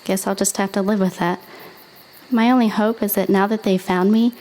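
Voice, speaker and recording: A woman's voice: mid-range voice, steady tone, normal speed, a little mellow, lightly acted, poor audio. A woman playing a dead teenage girl who narrates an audio drama in a wry, confiding, conversational way. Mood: wistful, resigned. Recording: music under the voice.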